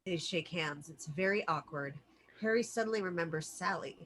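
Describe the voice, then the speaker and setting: Female table-read narrator, bright forceful tone, scripted stage directions. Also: on the low side, normal speed.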